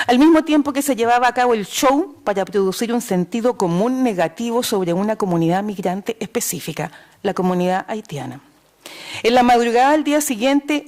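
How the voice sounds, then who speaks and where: A woman, reading a prepared talk at a panel, measured and emphatic, slowing down on key phrases. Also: mid-range voice, darkish tone. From Chile. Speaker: panel speaker.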